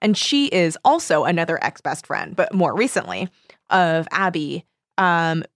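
Woman, lower-pitched voice, dry close recording, casual book discussion, slangy, conversational. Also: expressive, unhurried, no room sound. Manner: informal, slangy, peppered with 'like' and quoted reactions. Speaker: book discussion show co-host.

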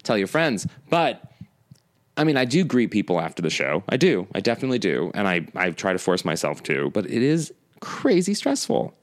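A man's voice: fairly low pitch, very animated, normal speed. A man from St. Louis, a comedian, talking in a rambling, blunt, profane way, often cutting himself off mid-sentence. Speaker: comedian, podcast guest. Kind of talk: casual podcast chat.

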